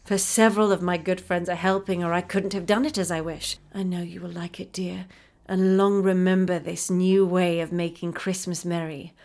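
A cheerful, loving mother in a storybook, brisk and teasing in her warmth, voiced by a woman reading aloud. She sounds a touch higher than the plain narration. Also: flat delivery, natural voice. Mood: tender.

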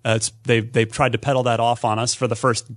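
A man's voice: medium pitch, level tone, quick pace. A man hosting a casual gaming panel show, talking in a teasing, conversational way. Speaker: podcast host and quizmaster.

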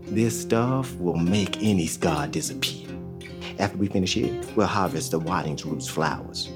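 An actor in an audio drama playing a young enslaved father who talks in a calm, plainspoken drawl. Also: low voice, normal speed, music in the background, lightly acted. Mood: steady. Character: young enslaved male father, steady and hopeful.

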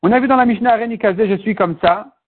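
A man's voice: sits high, fast. A man teaching a Talmud class, explaining step by step and mixing in Hebrew and Aramaic terms. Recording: tinny phone-like recording.

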